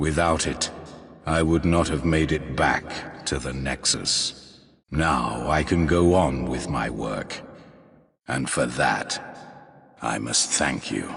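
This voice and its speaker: A man in a put-on character voice growls at a very deep, low pitch with a menacing tone, keeping a fairly slow pace broken by long, frequent pauses. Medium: video game. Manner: cold, measured, menacing.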